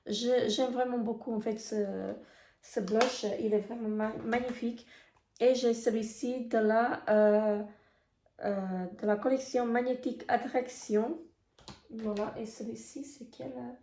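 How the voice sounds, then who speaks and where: A woman with a hoarse voice giving a casual beauty product review, talking in a halting way full of hesitations. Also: on the high side, fairly even intonation, mellow. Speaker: beauty vlogger. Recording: echoey room.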